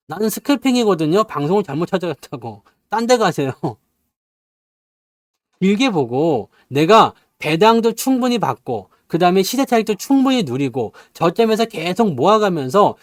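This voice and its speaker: A man's voice: high-pitched, dry recording, clean studio sound. A man giving a casual stock investing lecture, teasing listeners with constant "eh?" prompts and acting out little bits along the way. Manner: acts out bits with sound effects and playful asides.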